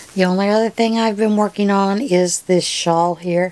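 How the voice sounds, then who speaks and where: The voice belongs to a woman. It shows ordinary pitch variation. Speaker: crochet vlogger. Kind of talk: casual vlog chat. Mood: calm, a bit wistful. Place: home room. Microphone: webcam.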